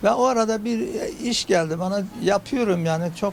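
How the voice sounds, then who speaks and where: A man delivers his words with lively intonation at a moderate pace while noticeable background noise carries on behind him. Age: 80s+. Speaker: tailor. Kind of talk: interview answer.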